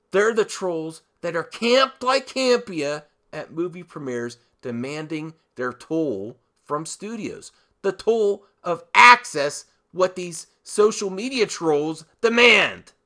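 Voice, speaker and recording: A man hosting an opinionated movie commentary, with a very bright, forceful voice pitched a little high. He speaks slowly and emphatically, breaking his points up with dramatic pauses and repeating phrases to drive them in. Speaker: host of a movie commentary channel. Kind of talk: opinionated video commentary rant.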